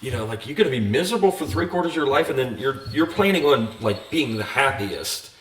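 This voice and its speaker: A man co-hosting a podcast, reflective and halting in casual chat, with lots of fillers. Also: mid-range voice, animated, a bit bright. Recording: echoey room from far off.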